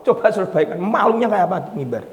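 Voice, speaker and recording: A male pastor preaching a sermon dramatically, acting out quoted voices and shouting for emphasis. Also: high-pitched, sing-song, fast, muffled recording. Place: church hall. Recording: echoey, reverberant hall.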